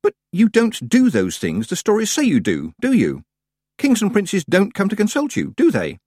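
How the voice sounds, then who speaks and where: Man as young witch girl, audiobook character, high-pitched, hesitant, inquisitive, sharp-witted. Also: huge pitch swings, moderate pace, no room sound, clean studio sound, full character voice. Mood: questioning. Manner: hesitant, questioning, earnest.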